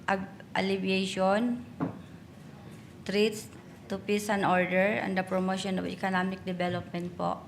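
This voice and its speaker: A woman's voice: mid-range voice, little pitch movement, normal speed, gravelly. Filipino lady witness in a courtroom, mid voice, very deferential n hesitant, bit of background noise. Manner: deferential, hesitant, asks for clarification. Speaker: witness under questioning. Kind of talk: formal courtroom testimony. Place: in a courtroom hearing, on a microphone.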